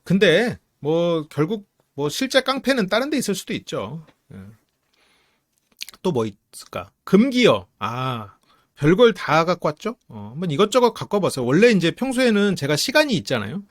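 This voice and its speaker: A man giving a casual psychology lecture to his channel's viewers, animated and acting out example lines in different voices. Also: sits high, normal speed, no room sound, studio quality. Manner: animated, acts out quoted lines with voice shifts; mixes polite and casual speech, laughs at own asides.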